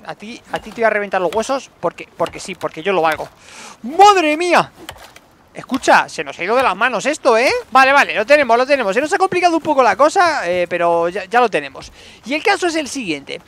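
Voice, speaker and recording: A man commentating his survival game playthrough, excitable, shouting when fights turn chaotic. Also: high voice. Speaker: gaming YouTuber. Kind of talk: let's play commentary.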